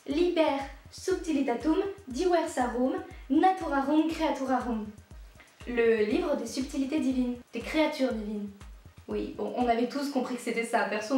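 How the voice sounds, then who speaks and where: A woman's voice: sits high, a little mellow. A young woman explaining a history topic in a casual, playful way, with joking asides. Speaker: YouTube creator. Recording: very echoey room.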